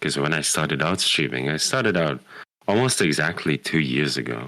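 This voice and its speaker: A man's very deep, low voice with vocal fry, a bright, sharp tone, lively intonation and a non-native accent. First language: not English. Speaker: streamer. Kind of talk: casual chat.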